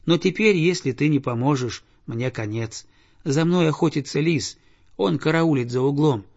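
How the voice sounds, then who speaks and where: A man's voice: fairly high pitch, normal speed. A man doing a bold little boy. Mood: earnest. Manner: lively, bold, sometimes hushed. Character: small brave clever boy traveller. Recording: dull lo-fi recording.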